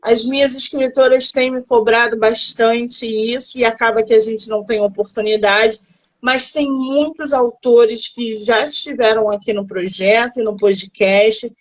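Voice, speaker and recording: Through a rough phone livestream recording, a woman from Rio de Janeiro with a Carioca Brazilian Portuguese accent hosts an informal chat with an author for a literary stream. Her voice is fairly high with fairly even intonation and an unhurried pace, and she talks chattily with lots of exclamations.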